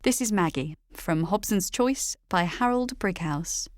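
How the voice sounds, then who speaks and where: A woman's voice: mid-range voice, lively intonation, a little slow, no echo, clean studio sound. A woman reading scripted narration as a storyteller. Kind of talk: scripted narration for a drama reel.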